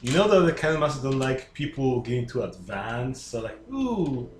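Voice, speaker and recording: A man's voice: mid-range voice, big pitch swings, moderate pace. A man playing a tabletop game, talking casually with the group about what to do. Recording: echoey room with faint background noise.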